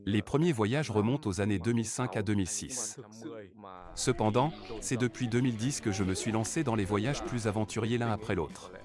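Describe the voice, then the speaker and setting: Low-voiced man reading a news dub. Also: brisk. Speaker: voice-over translator for interviewees. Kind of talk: dubbed news voice-over. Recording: voice-over with music beneath.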